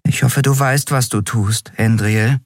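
A man's voice: mid-range voice, steady tone, unhurried, no room sound, clean studio sound, voice pushed up. A man doing a tiny whispering creature woman. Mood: whispery. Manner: whispering, teasing. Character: tiny winged female companion creature.

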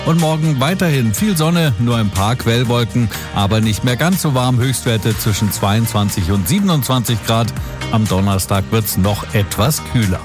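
A man presenting the weather and traffic on the radio in a friendly, brisk manner. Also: mid-range voice, music in the background.

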